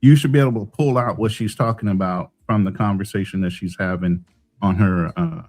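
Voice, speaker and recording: A man's voice: low-pitched, a little fast, a little mellow, faint music behind. A man giving casual, conversational commentary as co-host of a livestream.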